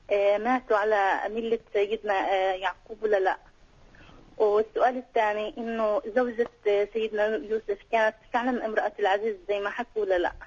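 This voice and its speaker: A woman's voice: medium pitch, breathy edge. A woman from Palestine with a Palestinian accent, calling in over the phone to a religious show, polite and full of thanks. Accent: Palestinian Arabic. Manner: polite and effusively grateful. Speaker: caller. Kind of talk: call-in question to a religious show. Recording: dull lo-fi phone line.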